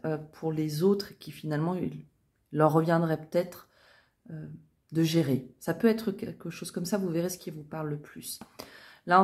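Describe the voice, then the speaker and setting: Woman with a deep voice for a tarot reading video; reassuring, halting delivery. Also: a little mellow. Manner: hesitant, many fillers and tag questions. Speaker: tarot reader.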